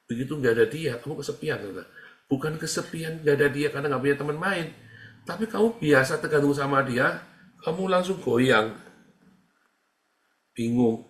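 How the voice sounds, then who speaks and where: A man's voice: mid-range voice, fairly bright tone. A man speaking as a pastor, teaching in a casual, conversational way, repeating phrases and acting out quoted dialogue. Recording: roomy echo.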